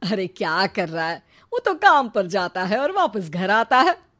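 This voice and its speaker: A woman's voice: mid-range voice, big pitch swings, measured pace, fairly bright tone. A woman voicing an anxious, easily alarmed mother in a cartoon. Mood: fretful. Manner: fretful, exclamatory.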